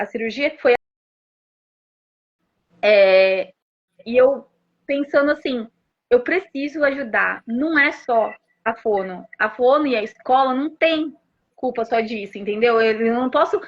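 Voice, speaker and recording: Animated woman telling her story, lo-fi. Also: a little high. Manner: animated storytelling with frequent restarts and rapid asides. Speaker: mother giving a testimonial. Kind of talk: emotional personal testimony on a live stream. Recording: dull lo-fi stream audio.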